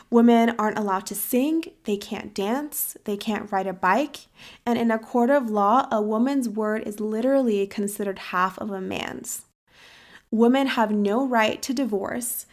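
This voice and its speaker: A young woman hosting a podcast, talking in an earnest, measured and serious way. She grew up in the United States and her first language was Farsi. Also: mid-range voice. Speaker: podcast host. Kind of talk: earnest interview and commentary.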